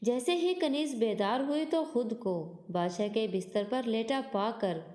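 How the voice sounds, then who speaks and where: A woman's voice: on the high side, measured pace, darkish tone. A woman reading a scripted moral story as the narrator of a storytelling channel. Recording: echoey, long reverb on voice.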